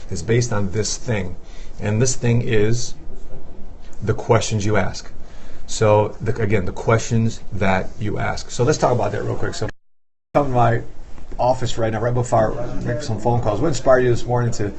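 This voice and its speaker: A man's voice: lowish voice, fairly even intonation, normal speed, darkish tone. A man hosting a casual motivational livestream from his office, upbeat and greeting viewers by name between questions. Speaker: host of a livestream.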